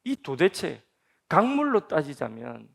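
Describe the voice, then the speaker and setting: A man's voice: a little high, wildly swooping pitch, a little slow, creaky. A man, a senior pastor, preaching a sermon at a church prayer meeting with emphatic delivery and frequent rhetorical questions to the congregation. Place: church sanctuary.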